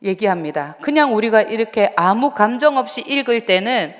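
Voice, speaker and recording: A woman's voice: a little high, normal speed. Woman preaching in a reverberant church. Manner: conversational, animated, asks the congregation questions. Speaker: evangelist. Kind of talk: sermon. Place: church sanctuary. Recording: long church hall reverb.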